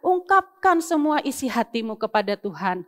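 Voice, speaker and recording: A young woman giving a lively sermon to children, swinging between soft and loud as she acts out feelings. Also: normal speed. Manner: animated, lively storytelling with sudden swings in pitch and loudness; mixes English phrases into speech. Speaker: children's church teacher. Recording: music playing behind the voice.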